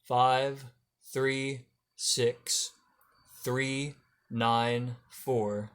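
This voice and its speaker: A man's voice: medium pitch, level tone, drawn-out words, a bit bright, clear, resonant tone. A man calling in, giving short answers and reading out digits one at a time. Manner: terse, reads digits one by one. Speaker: caller.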